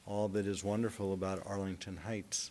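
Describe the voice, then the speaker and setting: The man has an unremarkable speaking voice, fairly low in pitch, and keeps a moderate pace. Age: 60s. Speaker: resident making public comment. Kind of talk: public comment at council meeting. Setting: village board meeting.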